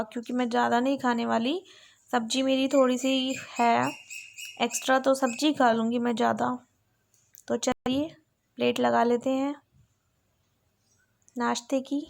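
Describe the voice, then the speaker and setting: A woman's voice: fairly high pitch, creaky. A young woman chatting casually to her viewers in a home vlog while she cooks and sits with her child, speaking through a camera set on a stand. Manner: chatty, talks to viewers directly. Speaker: vlogger. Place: home kitchen and bedroom.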